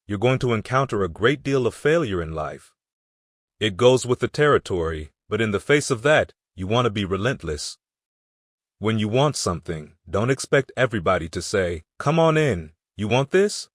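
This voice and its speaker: A man's voice: lowish voice, fairly bright tone, no echo, studio quality. A man narrating a motivational audiobook in an earnest, emphatic way.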